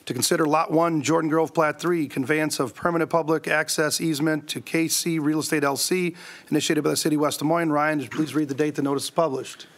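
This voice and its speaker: A man chairing a city council meeting as mayor, reading agenda items in a brisk, procedural way at a desk microphone in a council chamber. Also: on the high side, steady tone.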